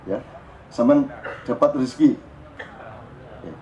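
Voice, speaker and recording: A man with an East Javanese accent giving a casual spiritual talk to a gathering. He is animated and joking, and slips into Javanese. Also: mid-range voice, takes it slowly. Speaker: religious speaker. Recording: dull lo-fi live recording with faint noise.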